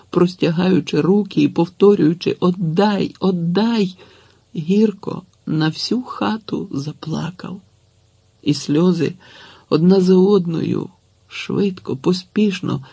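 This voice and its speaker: A man reading a literary story aloud in an expressive audiobook narration. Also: on the high side, vocal fry, slightly rough, dry recording.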